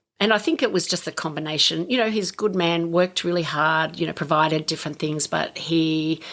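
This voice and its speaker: A woman with an Australian accent talks at a fairly quick pace, her pitch fairly low and her intonation fairly even. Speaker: nurse. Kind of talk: interview testimony. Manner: halting, many fillers.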